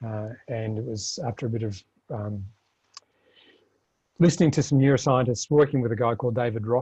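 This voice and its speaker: Somewhat breathy and dark, mellow in tone, this voice with an Australian accent moves at a moderate pace with ordinary pitch variation and long, frequent pauses. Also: man. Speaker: leadership trainer and coach. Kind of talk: webinar talk.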